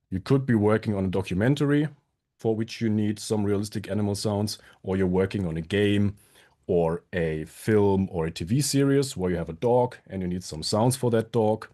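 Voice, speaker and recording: A man's voice: low voice, darkish tone. A man giving a friendly conference talk with self-deprecating jokes, his voice a little strained from being sick. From Germany. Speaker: conference speaker, sound designer. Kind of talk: presentation talk.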